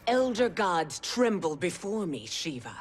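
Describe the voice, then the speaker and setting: A low-voiced, scornful villain queen in a game, music behind. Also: very animated, a little slow. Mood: ruthless. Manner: regal, haughty, scornful. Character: cold, ruthless queen, proud and scheming. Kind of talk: video game cutscene. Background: cinematic music.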